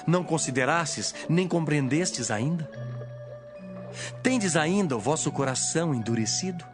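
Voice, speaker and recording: A male actor performs a stern male teacher in an audio Bible drama. The delivery is solemn and declamatory, with animated, emphatic swings in pitch. The voice sits fairly high for a man, with prominent music behind it. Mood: stern, questioning.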